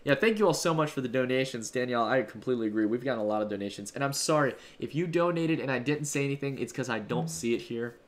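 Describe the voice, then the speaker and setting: A man's voice: medium pitch, lively intonation, fast talker, few pauses. A man hosting a livestream from home, casually thanking donors and answering chat in a loose, rambling way. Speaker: livestream host. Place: home room.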